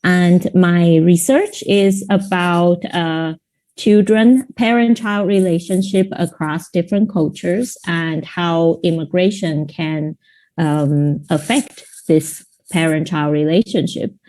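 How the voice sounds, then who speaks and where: A woman lecturer speaks on a video call with a low, mellow voice. She introduces herself and her research in a measured way, pausing often on ums and uhs. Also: steady tone. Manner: measured, with frequent um and uh. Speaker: psychology lecturer, guest speaker. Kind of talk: online seminar introduction. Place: home, visiting another city.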